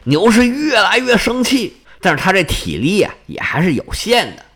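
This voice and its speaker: Male oral storyteller, animated and vivid, slightly high, very expressive pitch. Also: normal speed, breathy edge. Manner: animated, vivid sound words.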